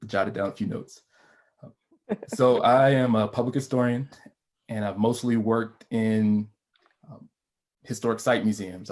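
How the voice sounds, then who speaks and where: A low-voiced man with a rural South Central Virginia accent speaks in a measured, reflective way. His tone stays flat, with little rise or fall, and he pauses to gather his thoughts. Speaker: public historian. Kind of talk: panel discussion.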